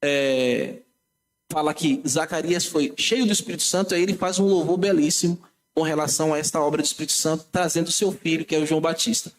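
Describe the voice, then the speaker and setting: A Brazilian pastor, a man, teaches his congregation in a relaxed, conversational way, stopping to correct himself and speaking straight to the people. His voice sits a little higher than most men's. He sounds like a man leading a Bible study in church. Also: fairly quick, slight background noise. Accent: Brazilian Portuguese. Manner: conversational, self-correcting, addresses congregation directly. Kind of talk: teaching Bible class sermon.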